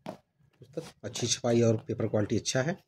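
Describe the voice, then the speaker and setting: A man's voice: mid-range voice, normal speed, a little mellow, slight background noise. A man hosting his own channel, explaining a devotional book in a casual, conversational way and reading passages aloud. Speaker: channel host reviewing books. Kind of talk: casual book review talk.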